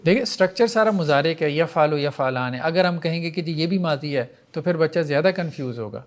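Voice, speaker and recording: Male grammar teacher, high voice, patient lecturing style with chanted drills. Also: expressive. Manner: explains patiently, drills verb conjugations aloud in a chanting rhythm. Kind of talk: classroom lecture.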